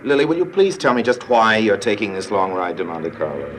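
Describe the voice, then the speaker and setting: A wisecracking crook, real low voice, dry and sarcastic, old 1950s radio show. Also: male voice, big pitch swings, fairly quick, faint music behind. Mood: wry, weary. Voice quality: dry, sardonic, clipped. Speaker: lead and narrator. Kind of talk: 1950s radio drama acting.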